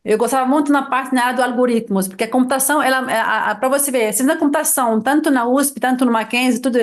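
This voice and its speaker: High-voiced Lebanese-born woman, chatty. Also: fast. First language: Arabic. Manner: lively storyteller, many restarts and "sabe?" tags. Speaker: guest. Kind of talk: casual interview chat.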